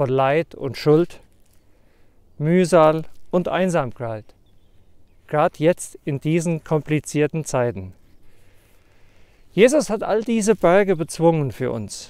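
A man's very slow, fairly high-pitched speech with lively intonation, dry with no echo, over a quiet background. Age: 40s. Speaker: lay preacher. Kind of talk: devotional talk to camera. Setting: outdoors. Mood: calm, encouraging. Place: open country.

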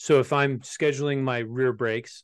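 The background is quiet. The speaker has a West Coast American accent. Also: man. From US West Coast. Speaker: webinar host, automotive business trainer. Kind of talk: live webinar panel discussion. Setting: video call webinar. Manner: animated. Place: studio. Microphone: studio mic.

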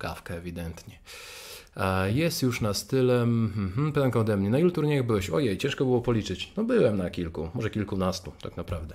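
Against a quiet background, a man with a medium pitch and a dark, mellow tone talks at a fairly quick pace with lively intonation. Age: 30s. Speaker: chess youtuber and English teacher; chess youtuber, English teacher. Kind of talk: casual Q&A chat. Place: home room.

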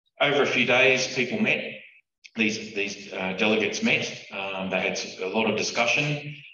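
A man speaks at a moderate pace with an Australian accent, his pitch fairly low and its variation ordinary. The background is quiet, with audible room echo. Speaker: speaker. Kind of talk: talk to a church meeting. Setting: church hall with audience. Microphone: camera far.

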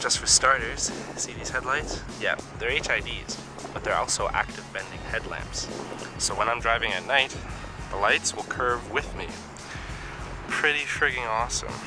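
A man at a moderate pace with long, frequent pauses, clear music in the background, and a dry sound with no echo. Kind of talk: casual vlog chat. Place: car. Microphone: phone near.

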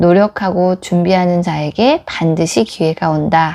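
This woman has a medium pitch and a dark, mellow tone. She talks at a fairly slow pace. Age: 40s. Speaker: book review YouTuber. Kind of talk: book review monologue.

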